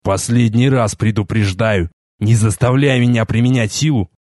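A man voicing a cold, menacing white-haired sorcerer prince who speaks in a flat, contemptuous way. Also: mid-range voice, moderate pace, dry recording, studio quality, natural voice. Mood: threatening.

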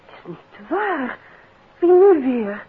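An actress playing a detective's curious, teasing wife in a 1950s Dutch radio play, with a Netherlands accent. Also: female voice, sits high, sing-song, slow pace, exaggerated voice. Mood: concerned, curious. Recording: tinny, noisy 1950s radio recording.

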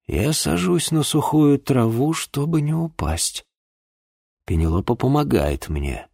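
A man narrating a first-person audiobook in an expressive, measured reading. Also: mid-range voice, creaky, breathy edge, no echo, clean studio sound.

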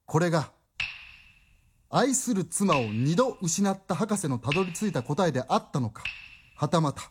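A man's voice: fairly high pitch, sing-song, normal speed, a little hiss or hum. A man narrating a radio drama in a formal, traditional storyteller's phrasing.

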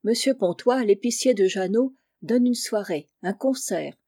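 An eager poor country boy from a classic storybook, read by a woman. He speaks earnestly, in a warm, mellow voice. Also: medium pitch, expressive, unhurried, no echo, clean studio sound.

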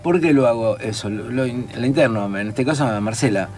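A man's voice: medium pitch, a little fast, darkish tone, soft background music. A man with a Rioplatense Spanish accent, a writer and teacher in casual conversation, who sings out rhythms to explain his points.

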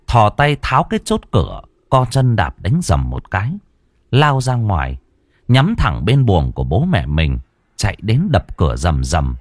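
A man's voice: fairly low pitch, huge pitch swings, unhurried, no room sound, clean studio sound. A man narrating a ghost story in a dramatic, suspenseful way.

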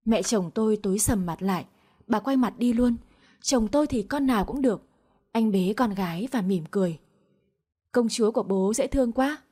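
A woman reading a scripted first-person story in a steady, plaintive way. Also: mid-range voice, breathy edge.

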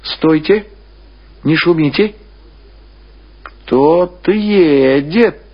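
A man's voice: on the high side, extremely slow, slightly rough, exaggerated voice. A man voicing an old, forgetful mother, folksy and insistent, in a dramatised literary reading. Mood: alert, insistent. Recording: dull, lo-fi old radio recording.

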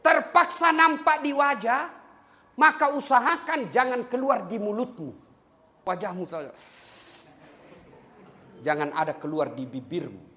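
A man preaching a sermon to a live audience, animated and joking, sometimes singing a line of a song. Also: high voice. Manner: animated, joking with the crowd, sings snatches of songs. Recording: echoey hall, light background noise.

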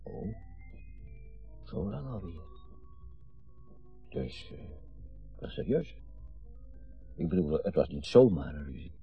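An actor in his sixties playing a garrulous, meddling, wistful retired father in a radio play, rambling and halting, with sudden emphasis. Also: low-pitched, big pitch swings, creaky, phone-quality sound, soft background music, heavily acted. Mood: prying, defensive. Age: 60s. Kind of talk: naturalistic radio drama acting.

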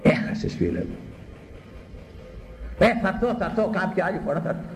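A man preaching a sermon, repeating words for emphasis and swinging between high exclamations and low, grave phrases. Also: sing-song. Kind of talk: sermon on a Bible passage. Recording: echoey hall, faint background noise.

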